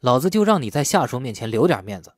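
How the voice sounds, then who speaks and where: A man acting a husky, cheeky male suspect. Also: medium pitch, very animated, fast talker, no room sound, studio quality. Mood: inward grumbling. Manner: argumentative, insolent. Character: cheeky, defiant male suspect, slick and grumbling.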